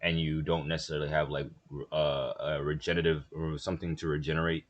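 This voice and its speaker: A man's voice: a bass voice, level tone, fast, dull audio. A young man co-hosting a reaction video, rambling and hesitant in casual chat. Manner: rambling, hesitant, restarts often.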